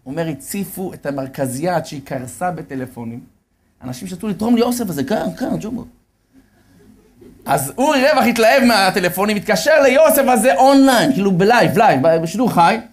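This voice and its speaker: Lively storyteller man. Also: high voice, slight background noise. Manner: lively storyteller, often says "listen well" to the audience. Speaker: religious lecturer. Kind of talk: storytelling sermon.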